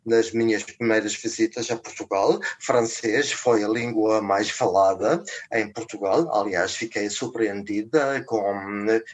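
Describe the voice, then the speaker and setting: Slow, hesitant older man. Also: lowish voice. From Germany. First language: German. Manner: deliberate, searching for words with frequent pauses. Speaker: guest, journalist. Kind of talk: radio interview chat.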